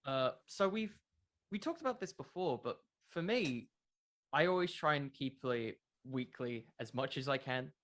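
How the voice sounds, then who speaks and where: A man's voice: mid-range voice, expressive, a little slow, a bit bright. A man in his twenties chatting casually as an interview guest, thoughtful and informal, often hesitating and restarting with filler words. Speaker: podcast creator, interview guest.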